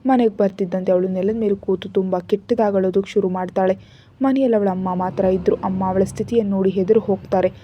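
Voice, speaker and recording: A woman narrating a scripted story in a steady, even reading. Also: mid-range voice, fairly quick, slight background noise. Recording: dull lo-fi recording.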